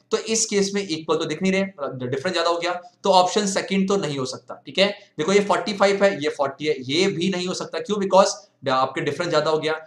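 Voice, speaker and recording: A young male teacher working through exam questions in a lively, coaxing way, mixing English phrases into his talk. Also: a little high. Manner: animated, coaxing, mixes English into Hindi. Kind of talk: exam solution lesson. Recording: echoey room.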